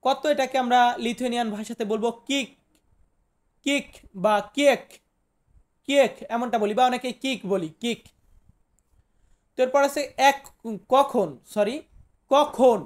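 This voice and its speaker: A man from Bangladesh, giving a vocabulary lesson to viewers. He repeats each new word slowly and asks rhetorical questions before answering them. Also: very high-pitched. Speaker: language teacher.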